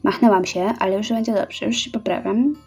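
A woman's voice: mid-range voice, steady tone, a little fast, darkish tone, breathy edge, soft background music. A woman giving casual let's-play commentary, chatty, reading orders aloud and counting out her steps. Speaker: gaming YouTuber.

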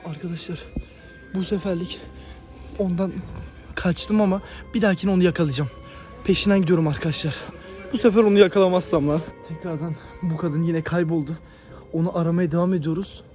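A young man hosting a night-time horror vlog outdoors, excitable and panicky, often shouting and speaking straight to his viewers. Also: sits high, a little fast, faint music behind. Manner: keeps addressing viewers as friends. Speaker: YouTuber host.

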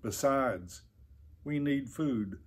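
A man's voice: medium pitch, animated, very slow, breathy edge, heavily acted. A man voicing a humble little storybook turtle who pleads politely and plaintively. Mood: pained complaint.

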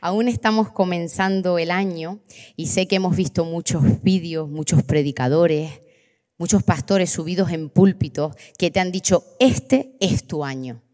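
A woman, preaching and giving her testimony, impassioned, slowing down on key words for emphasis. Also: fairly low pitch, steady tone, warm tone. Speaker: preacher leading a church workshop. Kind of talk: sermon with personal testimony. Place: church hall. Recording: long reverberant church hall.

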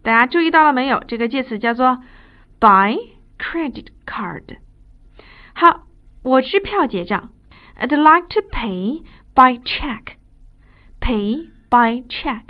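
Woman ESL teacher, high voice, lecture with slow drilled phrases, dull lo-fi audio. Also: lively intonation. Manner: switches between fast chatty explanation and slow drilled English phrases. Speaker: English teacher. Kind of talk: recorded classroom lecture.

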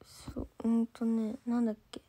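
Young woman, slightly high voice, light Gifu accent, rambling livestream chat to fans, lots of fillers. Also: completely flat delivery, normal speed, dark tone. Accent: mostly standard Japanese with a light Gifu dialect. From Gifu, Japan. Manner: chatty and rambling, loses her thread, fills with "nanka". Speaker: idol trainee livestreaming to fans. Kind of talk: casual livestream chat reading viewer comments.

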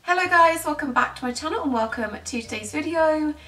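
A British woman in her twenties, a pet-care vlogger, gives casual commentary to camera from a small indoor bedroom. Her voice is high and sharp, with lively intonation at normal speed, and the recording has roomy echo, a distant microphone and faint music.

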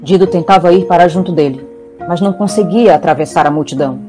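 A woman's voice: on the low side, quick pace. Woman narrator over prominent guitar music. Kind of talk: scripted storytelling narration. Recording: loud background guitar music.

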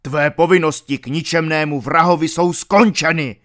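A furious, impatient baron barks orders loudly, as a man acts him out in an audiobook. His voice rises in pitch and force, harsh and domineering. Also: steady tone, close to an everyday voice. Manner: barking, loud and angry. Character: furious, impatient middle-aged Norman baron.

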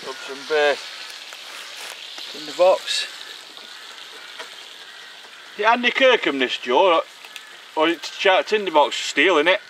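A man's voice: a little high, expressive, slow pace, long pauses, pushed and bright. Brief: middle-aged man, friendly banter, camp vlog on camera mic, noisy outdoors. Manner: chatty, affectionate banter. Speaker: vlogger filming a camping trip. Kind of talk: casual chat to camera. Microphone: handheld camera, selfie distance. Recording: outdoor camera audio with clear background noise.

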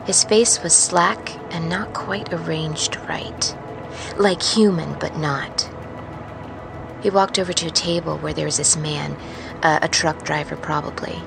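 A woman playing a wary, haunted truck driver in an intimate, confiding, halting audio-drama monologue. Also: deep voice, gravelly. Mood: dread. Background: music.

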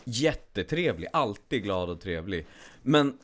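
A man in his forties chatting casually while gaming, telling stories and acting out the voices of people he quotes. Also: fairly low pitch. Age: 40s. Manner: animated storyteller who acts out quoted voices. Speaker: streamer playing a hunting game.

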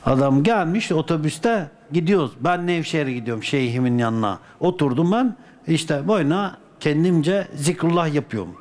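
A man from Turkey, a dervish, telling a personal anecdote in a colloquial, lively way with folk sayings. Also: on the high side, normal speed. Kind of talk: casual spoken anecdote.

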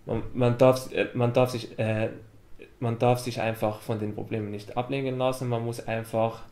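A man's voice: medium pitch, flat delivery, moderate pace, darkish tone. A man in his twenties, a native Arabic speaker with an Arabic accent, giving earnest interview testimony. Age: 20s. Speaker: interviewee, young migrant. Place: medium-sized room with plants and bookshelves. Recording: roomy, echoing camera sound.

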